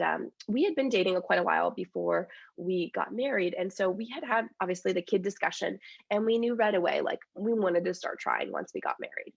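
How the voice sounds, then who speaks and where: A congested woman in her thirties, her voice gravelly with fry, talks openly and casually with plenty of fillers. The sound is dry and a little dull, as over a video call. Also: medium pitch, no echo. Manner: open, chatty, many fillers. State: congested from a cold. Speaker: dietitian and author, interview guest. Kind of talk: casual interview chat.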